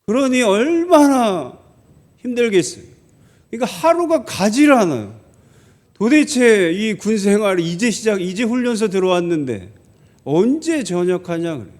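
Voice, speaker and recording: A male pastor preaching in a church, with a high voice. He tells stories, slows down to stress key phrases and puts questions to the congregation. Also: lively intonation, darkish tone. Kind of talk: sermon.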